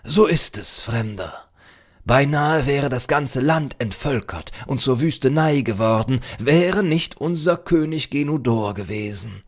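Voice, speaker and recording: A man's voice: mid-range voice, lively intonation, measured pace, voice pushed up. A man voicing a preachy, self-certain old librarian in a storybook, with a pompous, archaic, lecturing manner. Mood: grandly lecturing.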